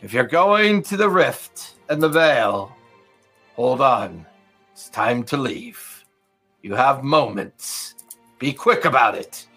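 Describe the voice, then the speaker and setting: A man voicing a gruff, grudging shark-form merfolk warrior who speaks in clipped orders. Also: mid-range voice, very animated, slow, pushed and bright, faint music behind, exaggerated voice. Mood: commanding.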